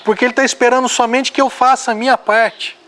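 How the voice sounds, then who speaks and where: A man's voice: very high-pitched, flat delivery, fast talker, bright, forceful tone. A man preaching an earnest sermon and reading scripture aloud.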